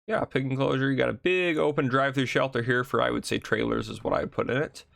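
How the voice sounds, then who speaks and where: A man hosting a casual video game map tour, chatty and thinking aloud, his voice gravelly from just waking up. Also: mid-range voice, fairly even intonation, fairly bright tone, no room sound, clean studio sound. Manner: chatty, thinks aloud with ums and quick asides. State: gravelly morning voice. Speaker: gaming channel host.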